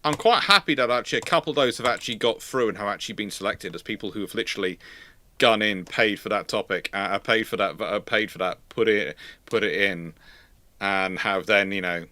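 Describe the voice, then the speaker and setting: A man hosts a casual live Q&A stream, answering viewer questions in a lowish, bright, forceful voice at a slightly fast pace. He stammers and often repeats words while restarting phrases, in a dry recording.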